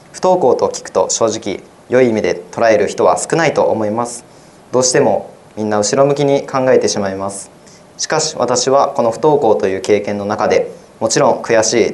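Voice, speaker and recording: A teenage boy, a high school student, reading his own essay aloud in an earnest, measured way for a radio program. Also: a little mellow. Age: teens.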